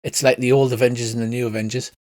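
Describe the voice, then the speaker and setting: Male game master, middle pitch, casual descriptive narration of tabletop play. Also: flat delivery, rapid-fire, a little mellow, no room sound, clean studio sound.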